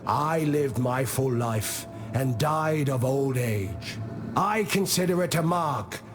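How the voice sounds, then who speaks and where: A man playing a wise old tribal elder in a video game, speaking in a measured, solemn, contemplative way. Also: mid-range voice, expressive, music in the background. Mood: proud. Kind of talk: scripted video game character monologue.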